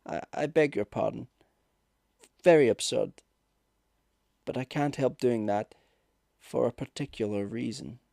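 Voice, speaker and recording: A man voicing a polite, awkward gentleman lodger in a ghost story, hesitant and apologetic in manner. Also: mid-range voice, a little slow, vocal fry, long pauses, dry recording, clean studio sound. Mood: embarrassed. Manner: hesitant, stammering, courteous. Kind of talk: ghost story audiobook character.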